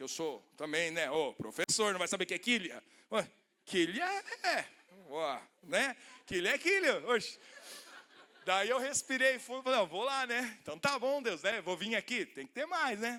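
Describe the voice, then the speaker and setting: This man has a high pitch and an animated tone, with very wide pitch swings. He talks at a moderate pace in a raised, projected voice, leaving long, frequent pauses. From Paraná, Brazil (Toledo/Cascavel). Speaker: preacher, teacher. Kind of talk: sermon. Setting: church conference with audience. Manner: casual, animated.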